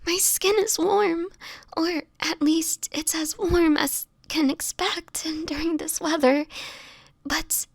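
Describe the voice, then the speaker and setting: A woman playing a sickly, gentle homeless woman turning vampire in an intimate audio roleplay, with a whispery, hesitant delivery. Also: very high voice, fairly even intonation, no room sound, exaggerated voice. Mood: pleading, tearful. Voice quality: breathy, whispery. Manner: halting, hesitant, fragile delivery.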